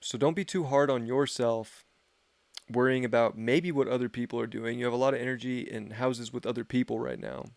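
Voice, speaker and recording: Gravelly laid-back man reading astrology. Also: mid-range voice, fairly even intonation, brisk, darkish tone, no echo. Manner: rambling, filler-heavy, laid-back. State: losing his voice. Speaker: astrology reader. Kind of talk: casual livestream forecast.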